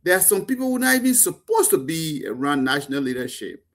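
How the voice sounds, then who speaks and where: A man's voice: a little high, big pitch swings, fast talker, fairly bright tone. A man with a Liberian accent, speaking as a panel guest in a heated political talk show, impassioned and emphatic with stumbling restarts.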